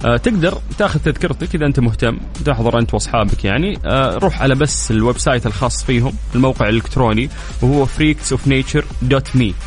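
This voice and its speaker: A man's voice: medium pitch, expressive, fast, soft background music. A man hosting a radio call-in show, breezy and joking as he runs a contest and promotes an event. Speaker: radio host. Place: radio studio.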